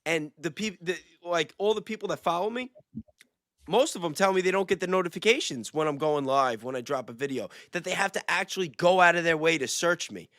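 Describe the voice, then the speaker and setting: A man hosting a casual livestream chat, talking excitedly and repeating phrases for emphasis. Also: on the high side, brisk, no echo, studio quality. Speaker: livestream host with a small channel.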